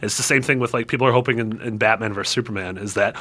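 Male panelist, bright timbre, reflective casual chat. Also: on the low side, very fast. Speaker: podcast panelist.

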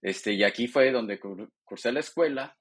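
A man in his thirties from Mexico, speaking as a veterinarian guest and filling pauses with "este". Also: mid-range voice, slightly rough. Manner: conversational, fills pauses with "este". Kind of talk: interview testimony.

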